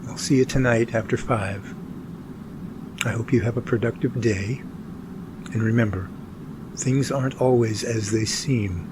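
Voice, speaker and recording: A man's voice: medium pitch, a little slow, long pauses, noisy background, lightly acted. A man playing an earnest, anxious twenty-seven-year-old survey worker in an amateur radio drama. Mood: puzzled.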